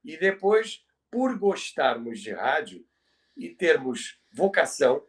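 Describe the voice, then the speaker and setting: Older brazilian guy, kinda high voice, bit far from the mic, explaining stuff like a teacher, repeats himself for emphasis. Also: very animated, slow. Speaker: co-host, former radio professional. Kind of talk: conversational talk about radio history. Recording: distant from the microphone.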